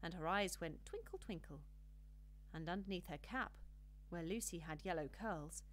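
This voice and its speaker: A woman reading a children's storybook as an audiobook narrator, with an expressive, measured storytelling delivery. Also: on the low side, a little hiss or hum.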